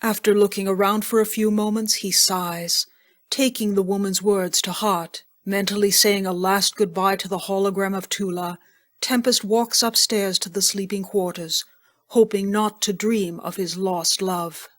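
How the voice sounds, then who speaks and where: A woman's voice: mid-range voice, steady tone, measured pace, fairly bright tone. Woman narrating an audio drama script.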